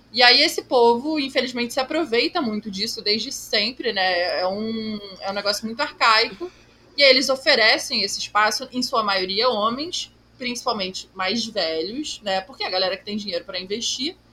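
A woman's unremarkable speaking voice, fairly high in pitch, at a moderate pace, with lively intonation and big swings in loudness. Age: 20s. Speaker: visual artist and art director. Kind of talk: casual chat.

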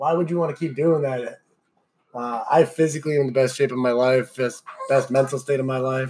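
At a moderate pace, a man speaks in an ordinary speaking voice with fairly even intonation. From Massachusetts. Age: 30s. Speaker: charity cyclist, military veteran. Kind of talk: interview.

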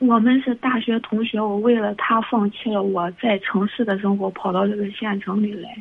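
The speech runs with hardly any pauses and fairly even intonation against noticeable background noise. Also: woman, medium pitch for a woman, moderate pace. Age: 30s. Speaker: caller seeking advice on family conflict. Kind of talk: phone-in advice call. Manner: halting, many fillers.

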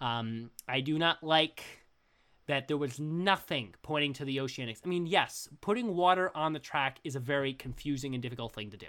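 In a very clean recording with a silent background, a man's fairly high voice carries a bright, sharp tone and ordinary pitch variation. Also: moderate pace. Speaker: podcast host. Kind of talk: casual chat. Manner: halting.

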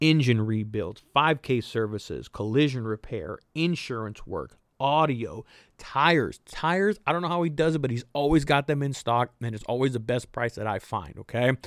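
A man's unremarkable speaking voice at medium pitch with lively intonation, on a very clean recording with a silent background. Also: moderate pace. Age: 40s. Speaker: motorcycle podcast host. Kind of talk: casual chat.

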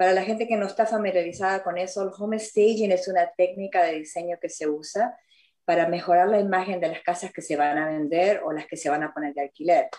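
Talking at a fairly quick pace, a woman has a medium pitch and a dark, mellow tone. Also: ordinary pitch variation. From Argentina, Buenos Aires and Rosario. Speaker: home staging designer. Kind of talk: interview testimony.

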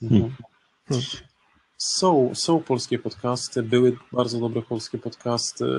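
Somewhat breathy, the voice moves at a fairly slow pace. Its intonation stays fairly even. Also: man, medium pitch for a man. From Poland, Lublin. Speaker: podcaster. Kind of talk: casual chat. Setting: video call.

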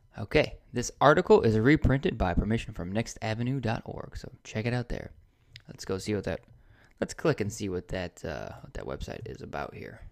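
With an American accent, a man speaks at a medium pitch with lively intonation and vocal fry. The recording is very clean, with a silent background. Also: fairly quick pace. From Indiana, US Midwest. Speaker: fitness podcast host. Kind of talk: solo commentary reading a news article. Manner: casual with frequent fillers.

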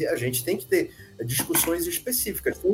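A man talks at a fairly quick pace as music plays behind him. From Amapá, northern Brazil. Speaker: panelist on culture podcast. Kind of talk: casual panel discussion.

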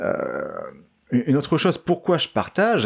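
Speaking at a very slow pace, a man swings his pitch very widely. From northern France, Dunkirk. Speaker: podcast host, network marketing coach. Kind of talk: solo podcast monologue. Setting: home bedroom. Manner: casual, hesitant with fillers.

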